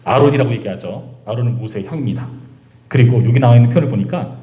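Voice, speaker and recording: A man's voice: medium pitch, quick pace, roomy sound, dull audio. A male pastor giving a sermon at a youth service. He speaks straight to his listeners and often acts out the voices of figures from the scripture. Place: church sanctuary.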